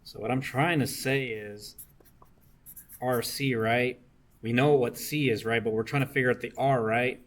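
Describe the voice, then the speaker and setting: Slow-paced man checking in with students. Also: mid-range voice, steady tone. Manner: keeps checking in with the class, saying "right?" often. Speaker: engineering discussion instructor. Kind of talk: teaching while working circuit problems.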